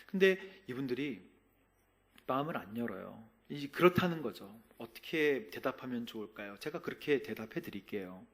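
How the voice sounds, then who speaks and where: A middle-aged man, a pastor, preaching a sermon with emotional storytelling that moves from soft whispers to loud, emphatic preaching. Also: mid-range voice, lively intonation, normal speed.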